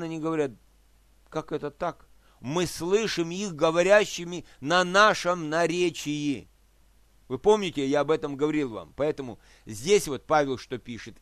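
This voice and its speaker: A man's voice: a little high, fairly bright tone, no room sound. A man preaching a sermon, explaining scripture with worked examples, rhetorical questions and checks that his listeners follow. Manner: asks listeners for agreement.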